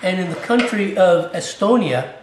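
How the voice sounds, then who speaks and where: A cooking-channel host chats casually through a recipe, constantly tagging his lines with "okay?". His voice sits high and sounds animated at a moderate pace. There's a little hiss or hum, an echoey room, and a mic a bit far off.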